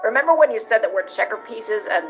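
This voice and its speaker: A woman's voice: a little high, animated, quick pace, soft background music. A woman voicing a childlike, earnest, hopeful young skeleton brother in a comic dub, using simple words. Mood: curious. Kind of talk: animated comic dub acting.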